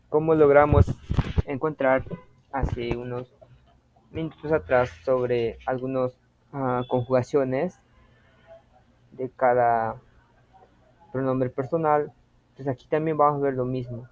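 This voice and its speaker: A man teaching a language lesson, explaining slowly and patiently and repeating example phrases with care. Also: mid-range voice, fairly even intonation, no room sound. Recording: dry, tinny phone-like audio.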